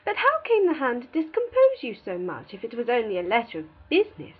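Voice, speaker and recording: A woman's voice: fairly high pitch, huge pitch swings, brisk, slightly rough, narrow, tinny audio, exaggerated voice. A woman playing a jovial, teasing older matron who pries insistently in a dramatised classic novel, with exclamations. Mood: teasing, prying.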